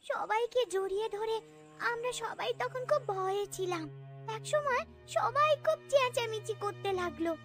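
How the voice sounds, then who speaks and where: Cartoon role: sad, earnest young girl played by a woman, extremely high voice, music bed. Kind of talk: Bengali cartoon story dialogue. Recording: music playing behind the voice.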